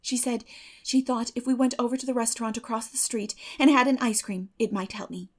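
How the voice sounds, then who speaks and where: A woman plays an excitable orphan girl from a storybook, high in pitch. She gushes earnestly and dreamily, turning breathy and dramatic when carried away. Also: a little fast, close to an everyday voice. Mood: earnest, chatty. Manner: gushing, dramatic, breathy in rapture.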